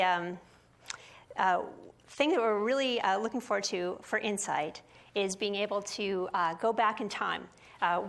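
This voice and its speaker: A woman's voice: mid-range voice, a bit bright. Woman explaining science with many fillers. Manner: halting, frequent fillers. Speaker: scientist presenter. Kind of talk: science press briefing.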